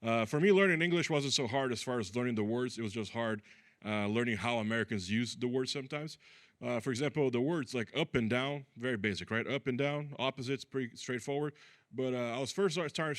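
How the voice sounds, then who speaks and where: A mid-range male voice, with no room sound, performs a stand-up comedy set on a club stage. Born in Brazil with Portuguese as his first language, he's deadpan, crude in his punchlines and heavy on fillers.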